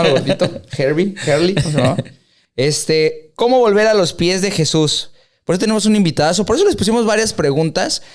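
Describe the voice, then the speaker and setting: Smooth-voiced joking podcast host. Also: male voice, on the high side, darkish tone. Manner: joking, asks questions. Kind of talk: casual podcast chat.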